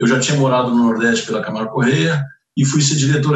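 His pitch is medium and varies in an ordinary way. The man's voice comes across somewhat breathy. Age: 50s. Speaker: real estate executive. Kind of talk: interview.

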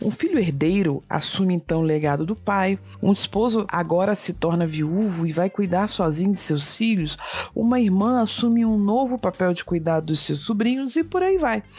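A woman with a somewhat breathy, dark, mellow tone and medium pitch speaks at a moderate pace with lively intonation and very even loudness. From Rio de Janeiro, Baixada Fluminense. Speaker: podcast host. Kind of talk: scripted narration; casual chat.

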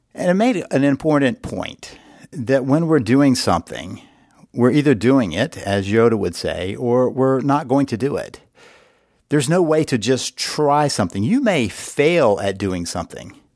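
Lively intonation in an ordinary speaking voice, a man at medium pitch and a fairly slow pace, on a very clean recording with a silent background. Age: 50s. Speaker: marriage coach podcast host. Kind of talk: solo podcast talk. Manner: casual with filler words.

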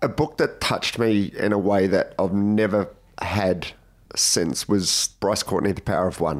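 A man with a New Zealand accent, fairly low pitch, ordinary pitch variation and a fairly slow pace. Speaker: dog trainer. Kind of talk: casual interview chat. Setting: room at home, studio-style.

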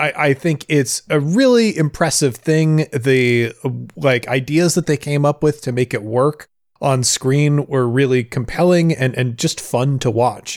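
A man talks at a fairly slow pace in a normal speaking voice, pitched fairly high. His loudness stays very even on a very clean recording with a silent background. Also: ordinary pitch variation, dry, close sound with no echo. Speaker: podcast host and RPG writer. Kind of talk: casual chat.

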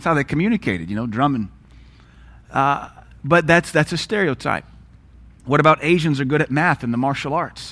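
Long, frequent pauses break up a man's speech in an American accent, bright and sharp in tone, fairly high in pitch, with lively intonation and big swings in loudness. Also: fairly quick pace. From US Pacific Northwest (Seattle). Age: 40s. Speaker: pastor. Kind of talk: sermon. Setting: church.

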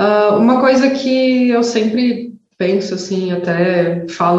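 Audible room echo surrounds a woman speaking with a Santa Catarina accent. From Santa Catarina, Brusque. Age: 20s. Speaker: realist pencil portrait artist. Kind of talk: casual interview.

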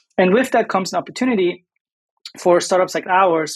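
This man speaks with a German accent. His pitch is high. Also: quiet background. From Germany. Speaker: startup founder. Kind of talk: panel discussion.

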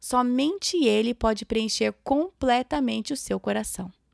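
The speaker has a Brazilian accent and talks at a very slow pace. The recording is very clean with a silent background and a dry, close sound with no echo. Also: woman. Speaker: podcast host. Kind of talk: casual interview chat; children's devotional lesson.

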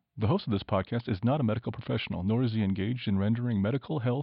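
Somewhat breathy, a man speaks at a very fast pace with ordinary pitch variation. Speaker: podcast host. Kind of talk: personal monologue. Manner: sincere, gentle.

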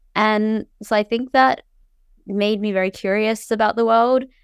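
A woman speaks at a moderate pace with an Australian accent. The recording is very clean, with a silent background. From far north Queensland, Australia. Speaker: robotics engineer and entrepreneur. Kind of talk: interview. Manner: many filler words and repetitions.

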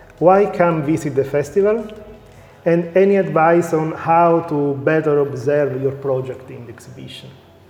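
A man with an Italian accent speaks at a moderate pace. His voice is fairly high, and there is noticeable background noise. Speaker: interviewer. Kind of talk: interview. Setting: festival.

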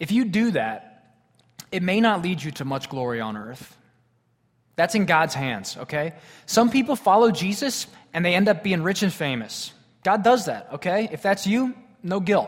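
A man speaks in an American accent at a moderate pace. His pitch swings very widely. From US, central Pennsylvania small town. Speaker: pastor. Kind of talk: sermon. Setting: church.

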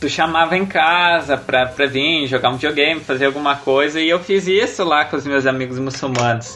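A man with a southern Brazilian accent speaks at a fairly high pitch with ordinary pitch variation. Noticeable background noise is present. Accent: gaúcho Brazilian Portuguese. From southern Brazil, Caxias do Sul (Serra Gaúcha). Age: 30s. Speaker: missionary. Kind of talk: interview conversation.

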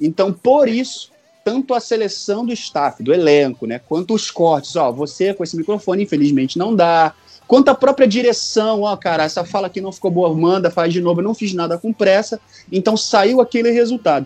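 A man with a high-pitched voice speaks using lively intonation. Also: moderate pace. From Rio de Janeiro, Brazil. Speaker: fandub producer and singer. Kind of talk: casual chat.

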